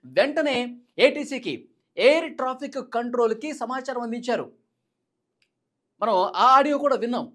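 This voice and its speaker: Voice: mid-range voice, animated, normal speed, long pauses, fairly bright tone. A Telugu news presenter giving explanatory commentary in a dramatic, emphatic manner, repeating key points.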